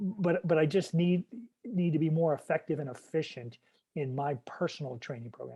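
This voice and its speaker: Over a quiet background, a man with a fairly high pitch and a dark, mellow tone speaks at a moderate pace with long, frequent pauses. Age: 60s. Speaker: golf student, retiree. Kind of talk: group video Q&A call. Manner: halting, repetitive stammering.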